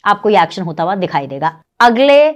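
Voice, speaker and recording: A fiery Pakistani woman hosts her own commentary show, scornful and mocking as she rails on. Her speaking voice sits at an ordinary middle pitch for a woman, and her delivery stays animated throughout. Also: a little fast. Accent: Pakistani Urdu. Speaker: political commentary show host. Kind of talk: heated political monologue.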